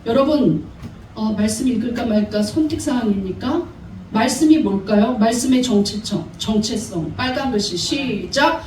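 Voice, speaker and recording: A woman's voice: on the high side, normal speed, a little mellow, a little hiss or hum. A woman pastor preaching a sermon in a church, exhorting her congregation and asking them questions. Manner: exhorting, asks the congregation often. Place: church sanctuary. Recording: echoey church hall, mic far off.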